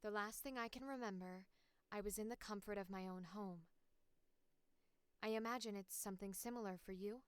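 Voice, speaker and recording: A woman's voice: medium pitch, a little fast, clean tone, dry recording, lightly acted. A woman voicing a composed, faintly mocking captive in a puzzle game, reading theatrically and articulately for an audition. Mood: composed, reflective. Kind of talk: voice acting audition read.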